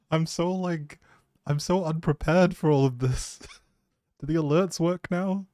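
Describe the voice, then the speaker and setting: A man's voice: a little high, takes it slowly, mellow, no echo. Giggly, flustered male livestreamer, dry sound. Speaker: livestreamer hosting a gaming stream. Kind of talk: casual rambling livestream chat.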